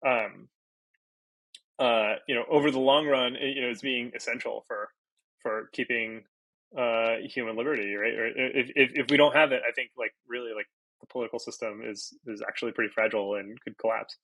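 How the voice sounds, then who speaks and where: A man's voice: medium pitch, fairly even intonation, fairly quick, bright, forceful tone, no echo, rough recording. A Portuguese-native man from Brazil, a podcast guest, talking casually and thinking aloud with many fillers and restarts. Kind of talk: casual interview talk.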